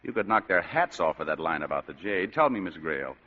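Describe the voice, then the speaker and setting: A wisecracking hard-boiled private eye. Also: male voice, sits low, sing-song, fairly quick. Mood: sardonic. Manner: dry wisecracks, world-weary. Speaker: narrator of the story. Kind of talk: 1940s radio acting. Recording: dull lo-fi old radio broadcast.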